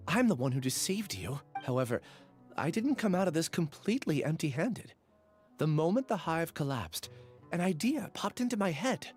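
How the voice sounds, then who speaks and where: An actor playing a gentle, remorseful young man in a video game, soft-spoken and earnest. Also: a little high.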